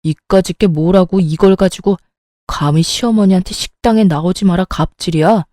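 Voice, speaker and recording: A woman's voice: fairly low pitch, moderate pace, dark tone, no echo, clean studio sound, lightly acted. A woman voicing an arrogant, entitled young husband who talks down in a blustering way. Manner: condescending, blustering.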